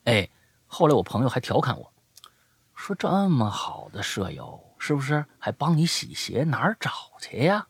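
Animated husky male podcast host. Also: medium pitch, normal speed, dry recording. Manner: animated storytelling, drops to a whisper for suspense. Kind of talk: retelling listener stories in casual chat.

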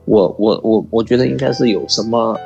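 A man calling in to tell a personal ghost story, talking in a halting, earnest way and often repeating words. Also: lowish voice, vocal fry, a little mellow, highs cut off, faint music behind. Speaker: caller.

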